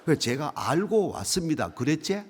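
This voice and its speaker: A man's voice: fairly high pitch, normal speed, husky. An older man, a retired pastor with a Gyeongsang accent, preaching a sermon in a humorous, emphatic storytelling manner. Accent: Gyeongsang dialect. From South Korea. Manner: animated storytelling, humorous, emphatic call-and-response.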